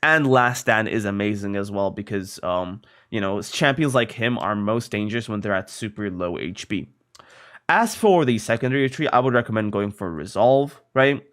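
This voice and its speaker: Speaking at normal speed in a fairly low, slightly bright voice, a young gaming content creator, a little under the weather, casually lays out a video game strategy for a guide. Fillers and tag questions like "right?" pop up constantly.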